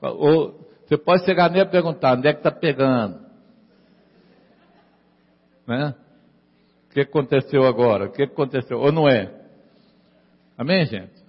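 A man's voice: medium pitch, a little slow, long pauses, lo-fi sound. Preaching man in an echoing hall. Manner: call-and-response preaching, repeating lines for emphasis. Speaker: pastor. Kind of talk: sermon.

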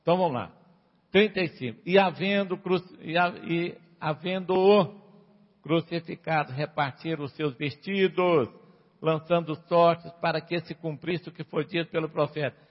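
A man preaching a sermon to a congregation, reading scripture and explaining it with sharp rises and drops and frequent calls for amen. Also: fairly high pitch, normal speed. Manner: emphatic, rises and falls sharply, asks the congregation for amens. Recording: dull lo-fi sound with long hall reverb.

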